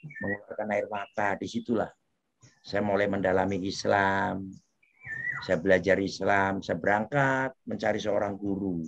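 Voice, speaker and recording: A man's voice: on the low side, steady tone, unhurried. A man, an interview guest, telling his life story with feeling, his voice rising when the story gets tense. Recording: dull lo-fi audio, faint noise.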